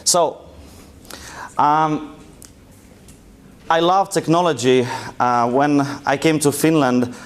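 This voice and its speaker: A man's voice: on the high side, takes it slowly, pauses often. Russian-accented man giving a casual talk. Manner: casual, joking, loose storytelling. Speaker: conference speaker. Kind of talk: live presentation talk. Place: lecture room with audience.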